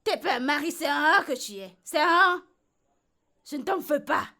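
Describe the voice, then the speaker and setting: A woman's voice: sits high, lively intonation, normal speed, pushed and bright, exaggerated voice. A woman dubbing a film role: an outspoken, caring woman who talks bluntly and repeats herself insistently. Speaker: Vicky, friend tending a beaten woman. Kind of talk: French film dub.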